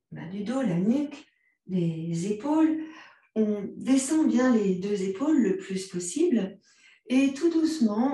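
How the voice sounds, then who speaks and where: A woman with a French accent, gently guiding a yoga class with calm cues. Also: medium pitch. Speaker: yoga instructor. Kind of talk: guided yoga class instruction. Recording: very echoey room, voice from a distance.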